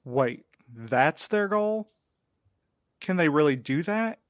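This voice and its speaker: A man acts an earnest underdog in an audio drama, wary but defiant. His voice sits a little high for a man, with hesitant phrasing and a dry, close sound. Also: animated, takes it slowly, dry recording. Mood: shaken, questioning. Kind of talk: audio fiction drama acting.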